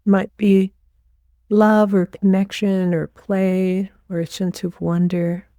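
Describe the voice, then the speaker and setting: Mellow woman guiding a meditation. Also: mid-range voice, flat delivery, no room sound, studio quality. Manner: gentle, unhurried instruction with pauses. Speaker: meditation teacher. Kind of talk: guided meditation.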